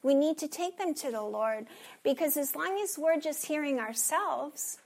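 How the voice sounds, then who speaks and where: A woman preaching a sermon in an earnest way, sometimes dropping to a soft hush for emphasis. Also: high voice, animated, moderate pace.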